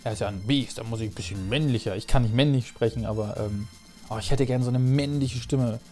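A man's voice: mid-range voice, fairly quick, darkish tone, faint music behind. A man chatting and joking in a self-mocking way as he comments on a video game. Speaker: let's play commentator. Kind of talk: casual gameplay commentary.

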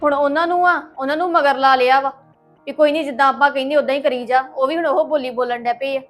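A young woman playing a young woman of the house who complains fast and grumbles. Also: high voice, steady tone, faint music behind, natural voice. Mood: grumbling. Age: young adult.

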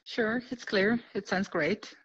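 Someone on a phone call, slow easy talk, husky, dull lo-fi line. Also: mid-range voice, fairly bright tone. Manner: laughing, friendly. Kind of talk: casual phone chat.

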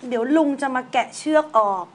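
A woman hosting a news talk show, reading items and chatting about them in a relaxed, conversational way. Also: fast talker.

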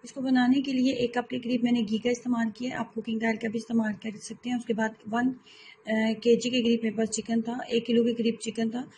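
Woman, cooking host, recipe voice-over, flat even delivery, mellow tone, faint background hiss. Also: fairly high pitch, brisk, rough recording. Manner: steady, explanatory, repeats steps.

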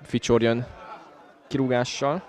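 A Hungarian man gives conversational live football commentary in a mid-pitched voice. He is recorded outdoors at a stadium, with clear crowd noise behind him. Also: steady tone, a little mellow. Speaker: football commentator for the home team.

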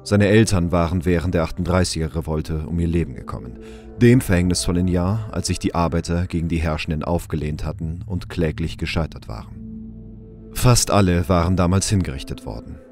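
A man narrating a scripted audio drama in a measured storytelling manner. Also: deep voice, darkish tone, faint music behind.

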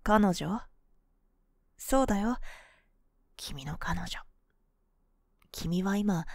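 This ASMR role-play of intimate pillow talk features a woman voicing a cool, boyish young woman, a lover both possessive and sweetly manipulative. Her voice is low-leaning, soft, breathy and coaxing, captured close on a dry microphone in a dry recording.

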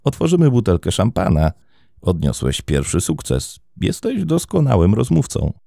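A man's voice: sits low, huge pitch swings, normal speed, gravelly, mellow, dry recording, studio quality, pitched above the performer's own voice, full character voice. A man voicing a weary middle-aged businesswoman. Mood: inviting. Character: lonely woman in her fifties, businesswoman, disappointed.

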